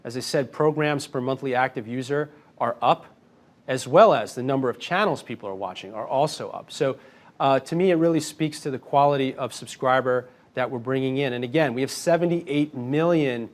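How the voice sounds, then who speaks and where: A man speaking as a company executive, answering analysts on an earnings call in a confident, measured way. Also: mid-range voice.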